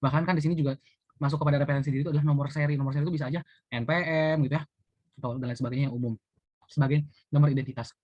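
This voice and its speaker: Fast-talking young man explaining. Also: on the high side, fairly even intonation, a little mellow, no room sound. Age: young adult. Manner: chatty, many fillers like gitu and eee. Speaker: university student presenting. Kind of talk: casual explanatory lecture.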